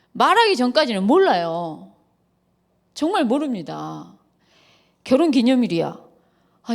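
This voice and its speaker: A middle-aged woman, a pastor's wife, giving a lecture at a church retreat, acting out quarrels and laughing often. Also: fairly high pitch. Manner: lively, acts out quarrels in quoted voices, laughs often.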